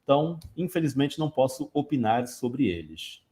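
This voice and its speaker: A man's voice: mid-range voice, very animated, moderate pace, dark tone. Brazilian male teacher, mid-range voice, casual live-stream host answering questions in an explanatory tone. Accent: Brazilian Portuguese. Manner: explanatory, teacherly, gives everyday examples. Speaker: English teacher hosting a live Q&A.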